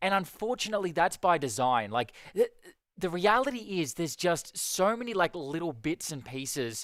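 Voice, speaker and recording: The recording is very clean with a silent background. A man speaks loudly, his pitch swinging very widely. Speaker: software developer streamer. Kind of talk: live coding tutorial. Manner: casual, halting with fillers. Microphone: close to mic, getting loud.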